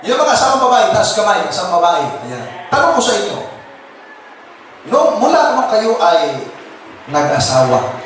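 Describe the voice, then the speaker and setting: A man's voice: high-pitched, very animated, normal speed, pauses often, a bit bright. A male pastor gives a humorous sermon, joking with the congregation, laughing often, and dropping English words into his talk. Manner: jokes with the crowd and laughs often; keeps addressing the listeners as brothers and sisters. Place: church. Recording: very echoey church from a distance, noisy.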